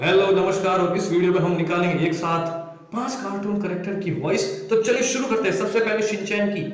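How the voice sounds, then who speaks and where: Man at a high pitch, moderate pace and ordinary pitch variation, with audible room echo. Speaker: voice impression creator. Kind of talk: casual vlog chat. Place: home room. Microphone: phone near.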